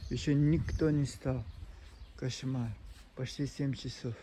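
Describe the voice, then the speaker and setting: A man talking to his phone camera outdoors at a seaside resort, in a language that is not his first. His speech is halting, full of restarts and side tracks, and his pitch sits in an ordinary middle range. Clear noise from the shore runs under his voice. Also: fairly even intonation, warm tone. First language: not Russian. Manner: halting, many restarts and digressions. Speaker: vlogger. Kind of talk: rambling outdoor vlog monologue. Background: noise of the sea shore.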